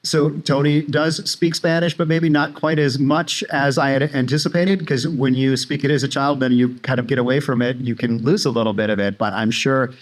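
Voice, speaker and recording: A man's voice: medium pitch, fairly even intonation, moderate pace, few pauses. A man hosting an interview video, narrating to viewers in a conversational, guiding way. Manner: conversational, guides the viewer, filler-heavy. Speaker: host of a channel about retiring in Mexico.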